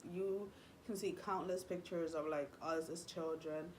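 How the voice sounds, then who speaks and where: A woman's voice: sits low, steady tone, measured pace, slight background noise. A young woman, a native Spanish speaker, telling a personal story in a rambling, confiding way with many fillers and restarts. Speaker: vlogger.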